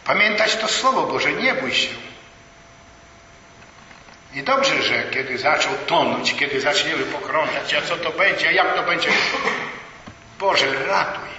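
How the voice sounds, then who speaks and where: A man delivers a sermon at an unhurried, weighty pace, his tone bright and slightly raised. He is heard from a distance in a large echoing church hall, the recording a bit dull with faint room noise behind. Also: a little high, expressive. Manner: slow, emphatic preaching with rising and falling emphasis. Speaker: preacher. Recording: echoey hall, voice from far off.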